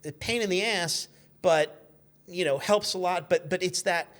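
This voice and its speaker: A man in his fifties telling stories casually and in an animated, profane way as a podcast guest. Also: sits high, measured pace. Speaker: podcast guest, former radio intern. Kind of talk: casual storytelling.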